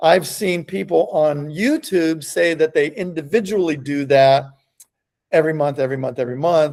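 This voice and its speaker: A man, in a normal speaking voice, keeps a moderate pace, his fairly high pitch varying in an ordinary way. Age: 60s. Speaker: real estate investor and seminar speaker. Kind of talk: seminar presentation. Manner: casual, filler-heavy.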